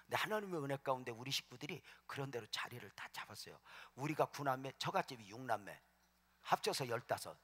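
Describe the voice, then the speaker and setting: Bright-voiced pastor, shouting and hushed. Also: male voice, mid-range voice, animated, quick pace, slightly rough. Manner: storytelling, swings from hushed asides to loud shouting. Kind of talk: sermon. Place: large church sanctuary.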